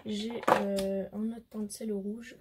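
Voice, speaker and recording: A hoarse woman with a French accent, a beauty vlogger chatting casually to camera, hesitant and full of fillers. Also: mid-range voice, level tone, slow, very noisy. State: hoarse, losing her voice. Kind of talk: casual makeup haul chat to camera.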